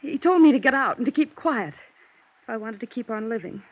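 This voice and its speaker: Frightened young mother; high, husky, old-radio tone. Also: lively intonation, brisk. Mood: shaken. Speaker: witness. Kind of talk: 1950s radio drama acting. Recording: dull old radio broadcast.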